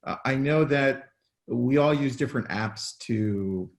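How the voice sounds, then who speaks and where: Male interview host, mid pitch, casual and rambling, reverberant room. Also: unhurried. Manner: loose, repeats words while steering the talk. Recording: roomy echo.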